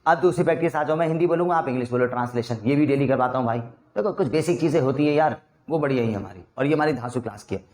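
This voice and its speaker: A man teaching spoken English in a classroom, calling out Hindi sentences and their English versions as drills, coughing and clearing his throat often. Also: mid-range voice, fast talker, a little mellow.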